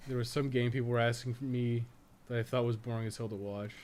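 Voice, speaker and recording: A man's voice: medium pitch, flat delivery, fast, a little mellow, slight background noise. A man giving casual, rambling live-stream game commentary, swearing and joking with his chat as he plays.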